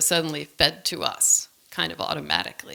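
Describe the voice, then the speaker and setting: Vocal fry at a moderate pace. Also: woman. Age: 60s. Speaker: newspaper reporter. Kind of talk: panel remarks.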